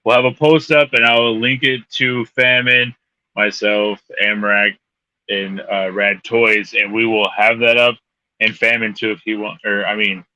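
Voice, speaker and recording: A man co-hosting a casual chat, explaining things in a rambling, halting way. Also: fairly low pitch, little pitch movement, sharp tone, dry recording. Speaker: podcast co-host. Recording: dull lo-fi audio.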